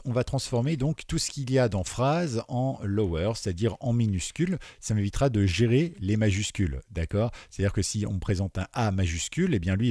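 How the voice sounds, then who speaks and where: A man teaching beginners to code, explaining each step and often checking in with his listeners, with many fillers and dropping quieter while he types. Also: on the low side, no echo. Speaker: programming teacher. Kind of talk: screen-recorded coding tutorial. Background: keyboard typing.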